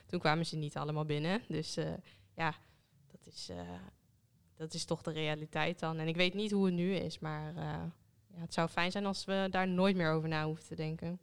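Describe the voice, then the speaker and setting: A Dutch woman, a political candidate, speaking calmly and reflectively in a casual panel talk. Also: sits low, moderate pace, smooth. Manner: calm and reflective, with fillers.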